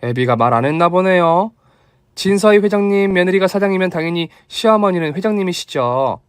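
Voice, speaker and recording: A man voicing a generous, lively young daughter-in-law with a Gyeongsang dialect, earnest and teasing. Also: high voice, brisk, clear, resonant tone, no echo, clean studio sound, voice pushed up. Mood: eager.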